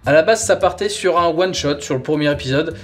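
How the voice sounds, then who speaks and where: Slightly high-voiced man reviewing casually. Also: fast talker, soft background music. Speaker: host reviewing audio sagas.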